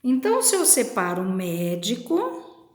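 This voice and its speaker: A woman teacher from Brazil, slowly and patiently explaining a lesson to children step by step. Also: sits high, very animated, roomy sound. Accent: Brazilian Portuguese.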